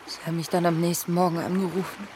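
A woman playing a grieving, wry woman in her thirties in a radio play, speaking plainly and haltingly. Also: on the low side, level tone, close to an everyday voice. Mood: grieving, subdued. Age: 30s. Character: grieving, wry 32-year-old woman adrift at sea. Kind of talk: naturalistic radio play dialogue. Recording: clear watery background noise, boat-like ambience. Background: lapping water and sea ambience.

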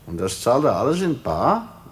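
An actor playing a brisk, skeptical judicial official in a German radio play, courteous but authoritative. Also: male voice, medium pitch, big pitch swings, husky.

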